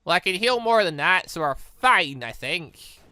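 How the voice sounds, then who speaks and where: A man commentating as he plays a game, in a bright, fairly high voice that swings widely in pitch. He rambles into asides, and the sound is dry and close. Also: lively intonation, measured pace, smooth, dry recording. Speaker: gaming YouTuber, let's player. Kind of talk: let's play commentary with dramatic read-aloud.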